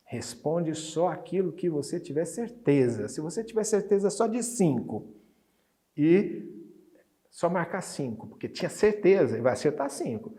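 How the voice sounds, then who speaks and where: During an exam review lesson, a male teacher with a Brazilian Portuguese accent slowly reads Spanish test items aloud, then explains them chattily while frequently checking in with his students. His voice leans high, with big pitch swings and a dark tone.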